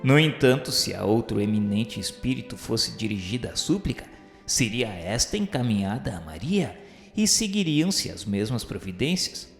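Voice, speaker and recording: A man reading the narration of a radio serial in a solemn, measured way, with faint music behind him. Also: fairly low pitch, big pitch swings, vocal fry. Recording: reverberant room with faint music. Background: faint background music.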